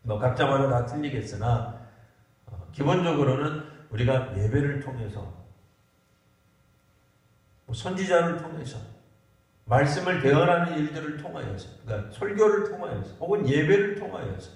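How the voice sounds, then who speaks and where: A male pastor preaches in a loose, conversational way and keeps turning to his congregation with rhetorical questions. His voice sits a little on the high side. It carries from a distance through a big, booming church hall. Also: lively intonation, moderate pace, pauses often. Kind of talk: sermon at a Friday prayer meeting. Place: church sanctuary.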